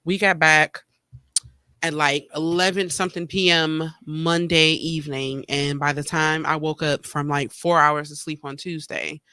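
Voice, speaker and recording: A man rambles through a casual solo podcast chat, with plenty of ums and likes. His voice is bright and smooth, a touch higher than most men's, with a slight congested edge from a cold. The sound is dry and close. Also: little pitch movement, a little slow, no room sound. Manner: chatty, rambling with many fillers. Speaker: podcast host. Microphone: streaming mic.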